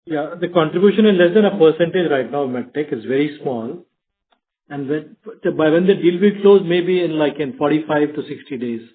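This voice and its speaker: A man's voice: on the high side, moderate pace, slight background noise. A man giving short answers as a company executive on an earnings call. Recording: narrow tinny phone-line audio.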